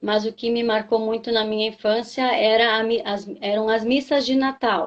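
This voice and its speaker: Fairly high in pitch and at a moderate pace, a woman talks in a normal speaking voice. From southern Brazil, Rio Grande do Sul (Harmonia). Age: 40s. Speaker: teacher and mother sharing faith testimony. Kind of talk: testimony.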